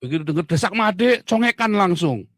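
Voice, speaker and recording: A man delivering an angry political rant, shouting insults and hammering points through repetition. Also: sits high, lively intonation, moderate pace, dry recording, clean studio sound. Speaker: online commentator.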